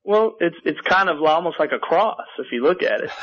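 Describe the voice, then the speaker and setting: A man calling in to a talk show to debate, speaking in a halting way and rephrasing as he argues. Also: a little high, lively intonation. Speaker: radio show caller. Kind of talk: call-in debate, unscripted. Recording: muffled, lo-fi call audio.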